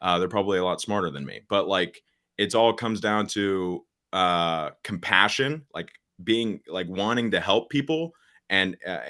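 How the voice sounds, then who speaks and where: A young man with a very low, deep voice talks as a guest in a casual podcast interview. He is a social media coach and gets straight to the point, with plenty of fillers and restarts along the way. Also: sharp tone. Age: late teens.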